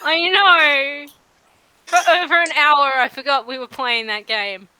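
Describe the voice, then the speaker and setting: A woman's voice: high voice, expressive, moderate pace, pushed and bright, clean tone, dry recording, rough recording. A woman playing a tabletop game, chatting casually with the others at the game. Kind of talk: casual chat.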